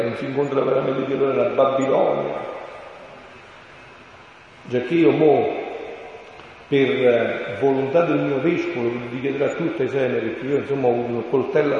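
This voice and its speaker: A man's voice: mid-range voice, fairly even intonation, moderate pace, slight background noise. A man from Campania with a southern Italian accent, giving a chatty catechesis talk as a priest, often checking in with his listeners with "no?" and "eh?". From Irpinia, Campania, Italy. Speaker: priest and exorcist. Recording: echoey hall, dull lo-fi sound.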